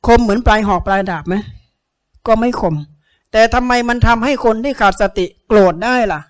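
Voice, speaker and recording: High-voiced monk preaching with stories. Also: male voice, brisk. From Thailand. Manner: storytelling, acts out quoted people, asks listeners questions. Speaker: Buddhist monk giving a dharma talk. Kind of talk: sermon.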